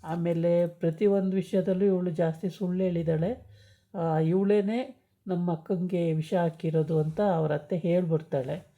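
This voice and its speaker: Low, mellow woman casually retelling a story. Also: fairly even intonation, normal speed. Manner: chatty, with many hesitation sounds. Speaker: storyteller recapping a TV serial. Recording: dull lo-fi recording.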